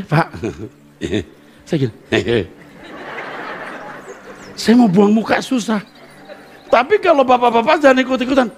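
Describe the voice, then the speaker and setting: Animated older male preacher. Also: high voice, gravelly, a little hiss or hum. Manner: animated, joking with the congregation, acting out quotes. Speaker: pastor. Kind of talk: sermon. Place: church service.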